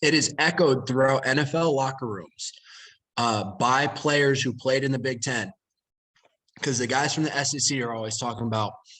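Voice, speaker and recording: A raspy, put-on character voice speaks at a moderate pace over a quiet background. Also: man, medium pitch for a man. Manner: mouth full, chewing.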